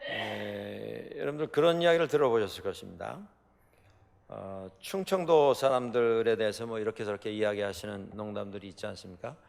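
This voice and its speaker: A man's voice: on the low side, a little fast, creaky, darkish tone. A middle-aged Korean man from Chungcheong preaching a sermon as pastor, telling stories with many fillers and rhetorical questions. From South Korea. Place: church sanctuary. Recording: hall reverb.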